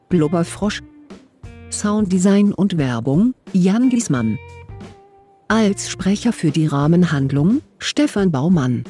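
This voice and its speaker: A slow announcer reading scripted credits, shivering as if cold. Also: medium pitch, warm tone. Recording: music under the voice.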